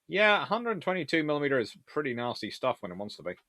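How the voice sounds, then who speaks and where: A man hosting a casual live question-and-answer stream on naval history, chatty and animated, talking in a stop-start way with trailing asides. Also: fairly high pitch, fast, dry recording, studio quality. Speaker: livestream host answering viewer questions.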